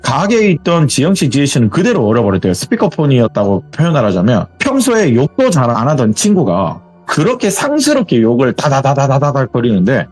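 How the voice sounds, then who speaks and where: A male horror storyteller with a husky, breathy voice and a lively, swinging delivery. He narrates casually, as if chatting, in a dry recording over faint background music. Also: mid-range voice, a little fast, hardly any pauses. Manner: conversational, expressive retelling with colloquial asides.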